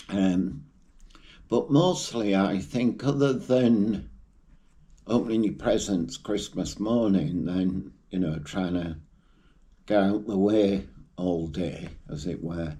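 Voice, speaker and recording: A man speaks very slowly in a fairly low pitch, with lively intonation. His long pauses come often. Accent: English. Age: 60s. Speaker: vlogger. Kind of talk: casual chat. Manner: halting.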